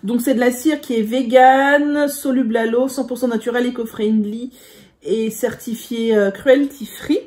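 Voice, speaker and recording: A woman's voice: on the high side, fairly even intonation, a little slow, darkish tone. A woman vlogger chatting casually about products, rambling with many hesitations.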